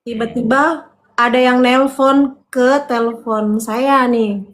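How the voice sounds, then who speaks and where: A woman tells her own story on a podcast, in a high, lively voice. She acts out the dialogue of the people she quotes, in an animated, casual manner. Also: slow, a little hiss or hum. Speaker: guest giving a testimony. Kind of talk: casual spoken testimony.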